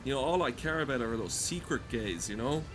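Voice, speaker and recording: Guy doing crude rambly gaming commentary, sweary, avg pitch, bit of noise behind him. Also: animated, fairly quick. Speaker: gamer talking over gameplay.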